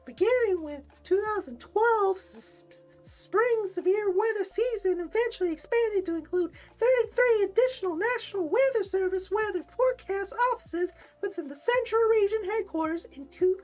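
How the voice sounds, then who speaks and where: Woman doing a shrill nasal twangy voice, flamboyant, much higher than her own, faint music behind. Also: normal speed. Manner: reads text aloud in a bright exaggerated tone. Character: high nasal flamboyant put-on reading voice. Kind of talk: practice reading on a livestream.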